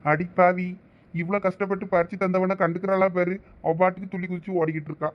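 Male actor as devoted young husband, high voice, emotional, muffled village drama audio. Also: flat delivery, quick pace, natural voice. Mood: grumbling. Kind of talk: village web-series acting.

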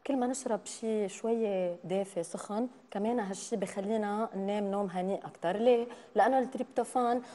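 A woman's voice: mid-range voice, fast talker, mellow. A woman in her thirties with a Lebanese accent, explaining nutrition as a studio guest on a TV talk show and dropping English terms in. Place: bright TV studio.

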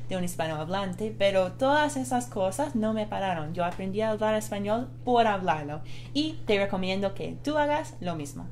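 A woman's voice: medium pitch, lively intonation, normal speed, hardly any pauses, darkish tone. Female non-native Spanish speaker, earnest co-host, foreign accent, light background hiss. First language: not Spanish. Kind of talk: live-streamed language lesson chat.

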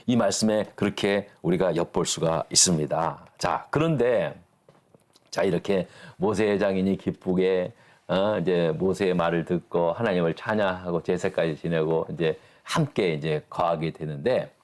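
A man's voice: low voice, moderate pace, a little mellow. A man pastor leading a church Bible study, talking emphatically and asking the class rhetorical questions.

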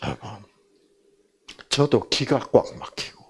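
A man's voice: slow pace, creaky, husky. An older man giving a Bible lecture, telling a family story and acting out the quoted voices with big swings. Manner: animated, acts out quotes with big pitch jumps.

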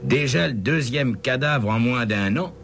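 A man's voice: medium pitch, animated, a little slow, a bit bright, pitched above the performer's own voice. Man as an offhand cop partner, casual remarks, slightly raised voice, varied intonation. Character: offhand second male police officer.

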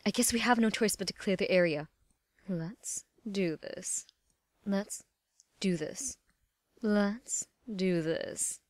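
A woman's voice: medium pitch, slow, long pauses, dry recording, natural voice. A woman acting a tough, determined young female adventurer in amateur cartoon audition lines. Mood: quiet resolve.

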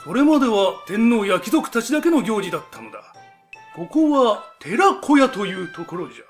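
A proud old emperor of heaven in an animated children's story. His voice is very high for a man and swings in pitch as he lectures like a fatherly elder. Faint music plays behind him. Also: a little fast. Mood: lordly, explaining. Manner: old-fashioned elder's speech, lordly and explanatory. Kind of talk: scripted educational story narration.

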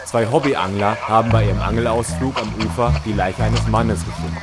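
A man's voice: fairly low pitch, fairly quick, over loud music, natural voice. A man playing a matter-of-fact, dryly witty police officer in a crime audio drama.

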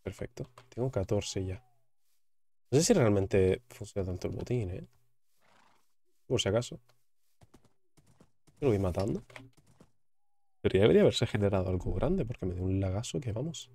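A man's voice: on the low side, lively intonation, moderate pace, pauses often, dark tone. A young man, chatting casually while playing a game and repeating words as he reacts. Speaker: gaming YouTuber. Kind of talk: casual gameplay commentary.

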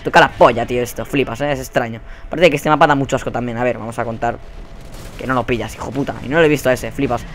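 A man with a Spain Spanish accent giving profane, excitable commentary over his own gameplay. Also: medium pitch, rapid-fire, slight background noise. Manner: excitable and profane, bursting into shouts. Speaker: gaming YouTuber.

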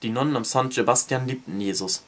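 A man who reviews books, reading a novel excerpt aloud in a steady, even narration. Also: mid-range voice, brisk.

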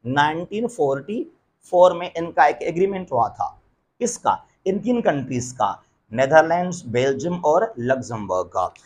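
A man lectures on geography in front of a map, his voice sitting fairly high. He keeps asking rhetorical questions and answering them himself. He slows right down to spell out the English terms. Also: sing-song, a little mellow. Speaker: teacher.

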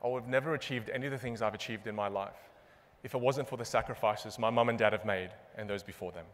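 A young man giving a comedic keynote on a large conference stage, animated and self-mocking, landing punchline after punchline. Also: on the low side, fast. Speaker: keynote speaker and magician. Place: large conference stage before a live audience. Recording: long reverb of a big hall.

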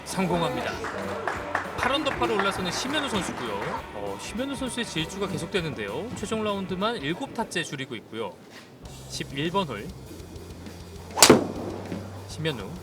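A man's voice: sits high, sing-song, brisk, long pauses, distant mic, loud music behind the voice. A man giving live golf commentary as the play-by-play caller, calling shots in short announcements and exclamations.

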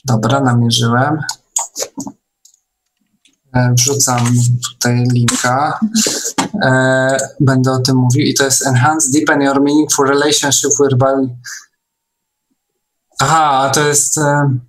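A man hosting an online meeting in casual chat, speaking in a hesitant, halting way. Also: medium pitch, little pitch movement, a little hiss or hum, poor audio.

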